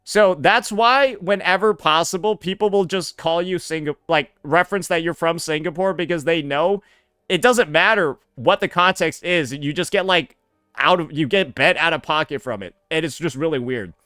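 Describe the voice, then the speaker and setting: A man's voice: fairly high pitch, normal speed, bright, forceful tone, clear, resonant tone, no echo. A man doing sarcastic, profane reaction commentary as a streamer, recorded on a close mic.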